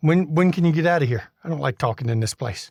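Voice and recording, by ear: A man does a put-on character voice, strained and guttural, at a fairly high pitch and very fast pace with lively intonation, in a very clean recording with a silent background.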